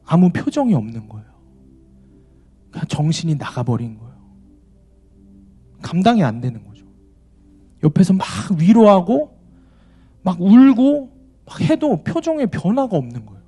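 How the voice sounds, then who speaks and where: Male pastor, church sermon, lively pitch, mellow dark tone, faint music behind. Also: normal speed, pauses often, slightly rough. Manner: expressive, swinging between loud exclaims and hushed low tones. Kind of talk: storytelling sermon.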